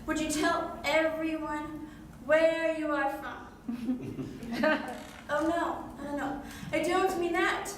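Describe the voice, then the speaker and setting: A woman's voice: high-pitched, steady tone, slow, long pauses, slight background noise. A woman performing a prying, patronizing character who keeps asking an adoptee where she is really from, recorded on stage. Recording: echoey distant stage recording.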